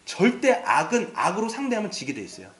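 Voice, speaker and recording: A man's voice: high voice, huge pitch swings, quick pace, fairly bright tone. A male pastor preaching a sermon with emphasis, putting rhetorical questions to his congregation. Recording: roomy echo.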